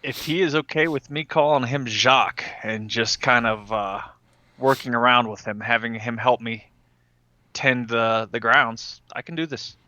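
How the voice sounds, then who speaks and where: A man's voice: mid-range voice, unhurried, bright, forceful tone, dry recording. A man casually describing his character's actions as a player in a tabletop game, thinking aloud as he goes. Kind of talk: casual roleplay narration. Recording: slightly dull, dry close recording.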